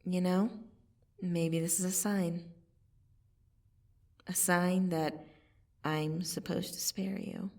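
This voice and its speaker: A woman acts out a female vampire assassin for an ASMR roleplay. Her voice is on the low side and full of gravelly creak, with breathy dips toward a whisper. She speaks very slowly and deliberately, menacing yet intimate, with a wistful softness underneath. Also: steady tone, recorded from a distance. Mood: softening, earnest. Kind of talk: ASMR roleplay, scripted dramatic monologue.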